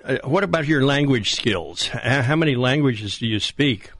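A man hosting an interview, putting questions in a halting, deliberate, drawn-out way. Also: medium pitch, animated, fairly bright tone, a little hiss or hum. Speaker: radio interview host.

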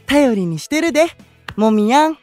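Casting: a soft-spoken, teasing young idol with a high, animated voice. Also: male voice, moderate pace, no room sound, faint music behind. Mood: friendly. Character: gentle playful young male idol with Kansai dialect. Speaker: young station-worker idol in a unit. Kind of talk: anime-style voice drama acting.

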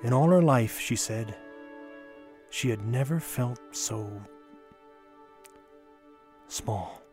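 A male storyteller with a mid-high voice gives a dramatic reading of a nostalgic memoir. He paces it deliberately, leaving pauses and leaning on key words. Faint music plays behind him. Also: expressive, a little mellow. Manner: measured, with deliberate pauses and emphasis.

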